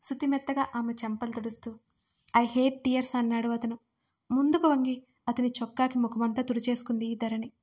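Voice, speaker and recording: A woman storyteller giving an expressive, dramatic reading of a scripted audio story. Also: fairly high pitch, fairly quick, breathy edge.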